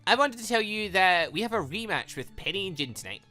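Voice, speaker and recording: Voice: medium pitch, animated, brisk, sharp tone, soft background music. Someone reading as a brash young woman fighter. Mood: assertive. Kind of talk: reading visual novel dialogue aloud.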